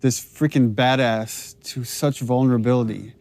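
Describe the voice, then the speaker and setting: A man's voice: medium pitch, steady tone, normal speed, a little mellow, dry recording. A man, the game's director, chatting enthusiastically over cutscenes in a commentary. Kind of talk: developer commentary.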